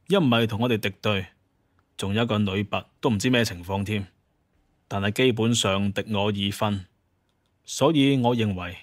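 An actor playing a confident, courteous but authoritative chief of monster hunters in an audio drama, talking in a measured, explanatory way. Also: male voice, lowish voice, no room sound, studio quality, lightly acted. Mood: firm, explaining. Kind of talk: Cantonese audio drama dialogue.

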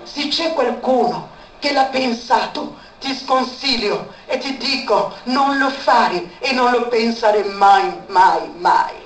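A woman's voice: on the high side, takes it slowly. A woman giving an emotional spoken testimony, repeating words for emphasis. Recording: echoey room, far from mic, faint background noise.

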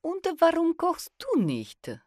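A woman's voice: very high-pitched, huge pitch swings, slow pace, a little mellow, dry recording, clean studio sound, heavily acted. An actress playing a kindly, inquisitive mother in a German audio drama. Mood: friendly, chatty. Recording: clear background noise with clicks.

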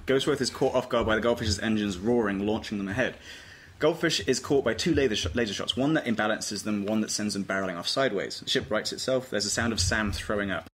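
Male narrator for a script read-through: quick, lowish voice, faint background noise. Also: fairly bright tone. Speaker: narrator reading stage directions. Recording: faintly noisy table read recording.

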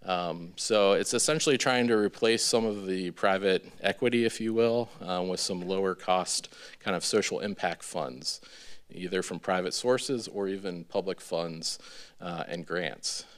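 A man in his thirties giving an informal presentation as a developer, in a halting, hesitant way with many ums. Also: deep voice. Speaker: real estate developer presenting a project. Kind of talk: informal public presentation with slides. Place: large indoor meeting room with seated audience. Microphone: podium gooseneck microphone.

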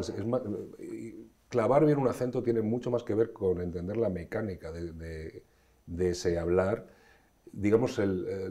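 A middle-aged man from Spain with a very low voice talks as a guest in an interview. He tells his stories in an expansive, animated way, often restarting his phrases. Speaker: actor, guest. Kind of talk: conversational interview.

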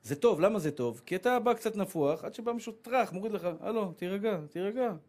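Brief: male rabbi, high-pitched, lively joking preacher who mimics the people in his stories. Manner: animated storytelling, acts out voices of women and his wife. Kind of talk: humorous sermon.

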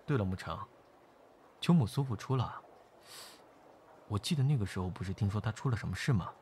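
A composed, polite young man played by an actor in an amateur radio play. He speaks in a fairly low voice, gently chiding, over faint ambient noise. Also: expressive, fairly quick, lightly acted. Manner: composed, courteous. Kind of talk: amateur radio drama acting.

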